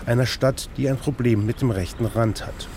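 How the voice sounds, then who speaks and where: Male radio reporter, measured scripted narration, faint noise behind. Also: medium pitch, darkish tone.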